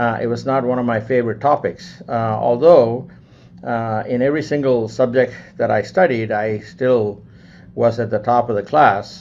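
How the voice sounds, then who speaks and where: A man speaks with a Tamil accent. His pace is fairly slow. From southern India, Tamil Nadu. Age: 70s. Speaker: neurosurgeon. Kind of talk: interview. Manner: halting.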